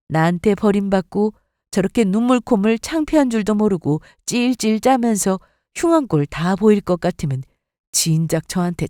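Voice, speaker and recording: A woman's voice: mid-range voice, warm tone, no room sound, clean studio sound. A woman narrating a dramatized first-person revenge story in a scornful, emphatic manner.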